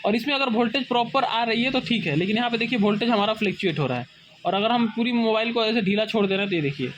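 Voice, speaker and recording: A man's voice: high voice, a little hiss or hum. A man from India explaining a phone repair step by step at his workbench, often pointing out what to look at carefully. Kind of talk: hands-on repair tutorial.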